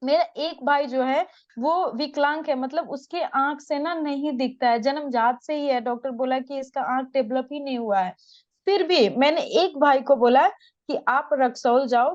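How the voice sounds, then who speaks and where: High-voiced young woman, urgent testimony. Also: dry recording, highs cut off. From Bihar, India. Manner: urgent, distressed retelling, addresses the interviewer as sir. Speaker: interviewee. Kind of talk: emotional testimony in an interview.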